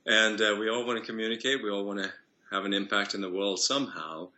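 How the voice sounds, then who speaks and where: Bright-voiced male voice coach. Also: lowish voice, fairly even intonation, quick pace. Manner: earnest, flowing, demonstrates voices. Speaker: voice and singing coach. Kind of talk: interview answers, explaining.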